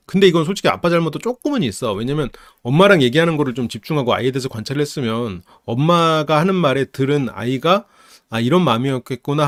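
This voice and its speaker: A man hosting a psychology channel, casually analyzing a film, lively and laughing often as he acts out characters' lines. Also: fairly high pitch, no echo, studio quality.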